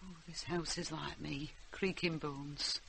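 An actress playing a sharp-tongued but fond old grandmother in a radio drama, with a Northern English accent and a wry, scolding manner. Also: low voice, fairly even intonation, slow, gravelly, heavily acted. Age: older. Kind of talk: naturalistic radio drama acting. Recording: noisy radio drama recording.

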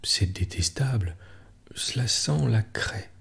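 A man softly voicing a squeamish little girl in a storybook reading. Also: lowish voice, expressive, slow pace, creaky, slightly rough, in a whisper, full character voice. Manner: softly read, hushed.

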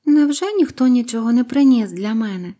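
A woman's voice: on the high side, lively intonation, moderate pace, dark tone, pitched above the performer's own voice. A woman voicing a small, gloomy young apple tree who speaks plaintively. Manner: plaintive, wistful.

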